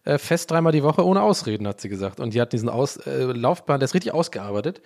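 A man from Ireland whose first language is English, hosting a casual solo podcast in German. He rambles, swears, mocks himself and jumps up in pitch when he jokes. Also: expressive, fast talker, creaky, darkish tone. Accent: Irish English speaker talking German. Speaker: podcast host.

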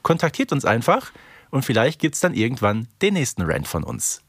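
A man's voice: mid-range voice, huge pitch swings, moderate pace, fairly bright tone. A man co-hosting a podcast, chatting casually as he reviews. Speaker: podcast co-host. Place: close, dry podcast recording.

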